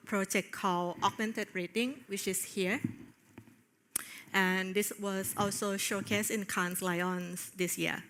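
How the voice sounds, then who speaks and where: Female conference presenter, bright forward tone, earnest and hesitant with fillers. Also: mid-range voice. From Thailand. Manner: earnest, with frequent filler pauses. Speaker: conference speaker. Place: on stage at a tech conference.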